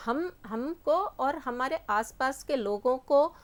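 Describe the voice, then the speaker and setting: A woman's voice: sits high, expressive, slow pace. A woman teacher speaking as a guest on a discussion show, earnest and formal with hesitant restarts. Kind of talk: panel discussion answer.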